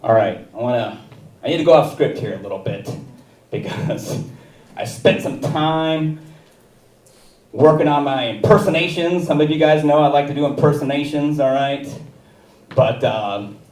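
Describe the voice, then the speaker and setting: A man's voice: fairly high pitch, moderate pace, pauses often, darkish tone. A middle-aged man doing rambling, self-deprecating stand-up on a theater stage. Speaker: student stand-up comic. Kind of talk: stand-up comedy. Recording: echoey theater, far mic.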